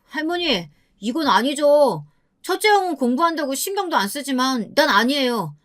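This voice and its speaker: Woman voicing a teen boy mad at grandma, insistent, pitched high. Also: big pitch swings, moderate pace, fairly bright tone. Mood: indignant. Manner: protesting, insistent. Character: indignant teenage grandson defending his mother.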